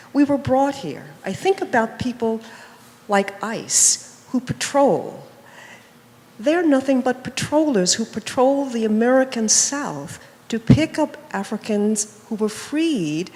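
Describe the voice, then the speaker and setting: A woman's voice: medium pitch, darkish tone. A woman from the audience making an impassioned comment, asking rhetorical questions. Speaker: audience member. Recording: long hall reverb, faint ambience.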